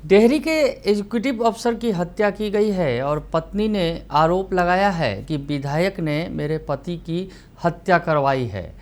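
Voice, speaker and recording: A man presenting a news report as anchor, in a brisk, emphatic delivery. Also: high-pitched.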